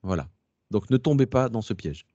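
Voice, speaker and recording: A man's voice: fairly low pitch, animated, moderate pace, mellow, dry recording. Brief: slangy male presenter, plain mid voice, dry dull lo-fi sound, digresses. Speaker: workshop presenter. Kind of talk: casual talk to a class.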